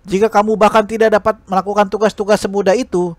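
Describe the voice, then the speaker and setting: A man's voice: sits high, flat delivery, quick pace, no echo, pitched above the performer's own voice, close to an everyday voice. A man voicing a stern, dismissive male teacher in an audiobook, speaking in a curt and commanding manner. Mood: demanding.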